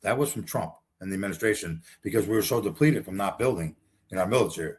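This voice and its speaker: A man's voice: sits low, fast. A man running for Congress, talking bluntly and combatively in a rambling political interview. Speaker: congressional candidate.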